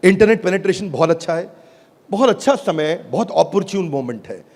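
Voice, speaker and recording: High-voiced man pitching to a crowd. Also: expressive, brisk, in a large hall. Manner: rallying, shouts questions at the crowd. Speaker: business speaker launching a product. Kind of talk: energetic stage pitch to a live audience.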